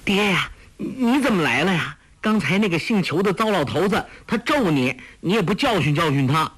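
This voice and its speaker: Male narrator doing a cheeky teen girl, bubbly and coaxing, husky, lively swoops. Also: moderate pace, heavily acted. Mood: gleeful. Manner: bubbly, coaxing, high and bright. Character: playful clever teenage girl, cheeky and affectionate.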